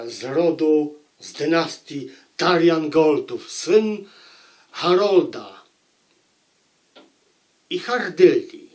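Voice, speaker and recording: A man giving a book review to viewers, phrasing deliberately like a storyteller, with pauses. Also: a little high. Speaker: book reviewer and audiobook narrator.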